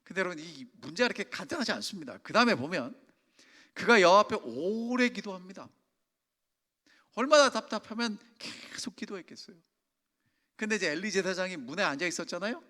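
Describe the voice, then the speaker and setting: A man's voice: sits high, expressive, brisk, bright, forceful tone. A man preaching a sermon as senior pastor, speaking emphatically and putting questions to his congregation. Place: church sanctuary. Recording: long church reverb.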